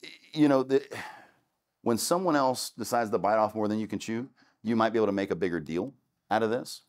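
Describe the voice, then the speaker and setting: A man's voice: fairly low pitch, a little fast. Candid man giving a casual talk. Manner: candid and conversational, with many restarts and "long story short". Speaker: real estate investor giving a talk. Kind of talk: casual talk to a student audience with slides.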